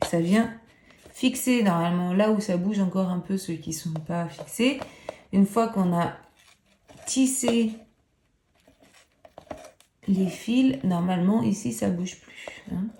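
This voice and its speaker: Chatty woman with a gravelly voice. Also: medium pitch, takes it slowly, long pauses, dark tone, slight background noise. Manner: playful, self-mocking, swears casually, counts knots aloud. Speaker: craft tutorial host. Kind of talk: chatty hands-on tutorial. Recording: roomy echo.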